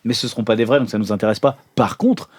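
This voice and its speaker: A man plays an improvised tabletop game, bantering in a jokey, excitable and crude way. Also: mid-range voice, quick pace. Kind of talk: improvised role-playing banter.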